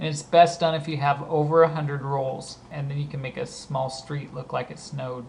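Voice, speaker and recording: A man with a Southern California accent, a fairly high pitch, fairly even intonation and a moderate pace, against noticeable background noise. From US, Southern California (Orange County, San Diego). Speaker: video blogger. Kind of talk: accent tag word reading and casual explanation.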